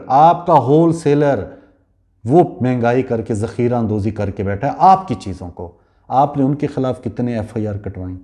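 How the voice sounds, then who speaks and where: A man's voice: medium pitch, mellow. A man from Pakistan, giving impassioned political commentary as a show's host. He lectures rhetorically and fires pointed questions straight at the person he addresses.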